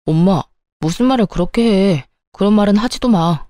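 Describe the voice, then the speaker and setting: A woman's voice: mid-range voice, normal speed, no echo, studio quality, close to an everyday voice. A woman voicing an angry, stubborn husband who demands an apology. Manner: demanding, shouting orders. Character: stubborn angry adult husband, mama's boy.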